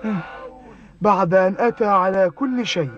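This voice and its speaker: A man's voice: high-pitched, moderate pace, natural voice. A man playing a fawning, obsequious courtier of the Pharaoh in a cartoon. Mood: rueful. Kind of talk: cartoon drama acting. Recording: dull lo-fi cartoon soundtrack.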